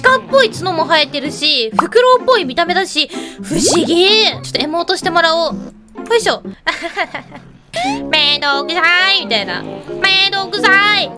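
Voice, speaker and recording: Very high-pitched bubbly woman gamer. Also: huge pitch swings, normal speed. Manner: bubbly, exclaiming, chatting to her pets and viewers. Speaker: gaming YouTuber. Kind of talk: excited Minecraft let's-play commentary. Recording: loud game music behind the voice.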